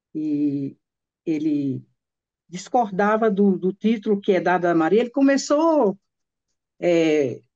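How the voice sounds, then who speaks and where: With lively intonation, a woman speaks at medium pitch in a dark, mellow tone. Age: 70s. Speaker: Bible school teacher. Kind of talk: religious teaching podcast discussion.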